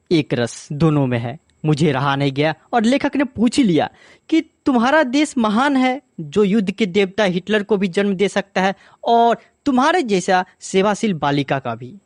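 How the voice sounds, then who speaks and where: Expressive Bihari storyteller man. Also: high-pitched, no room sound, studio quality. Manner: expressive, repeats phrases for emphasis. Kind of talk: animated bedtime story narration.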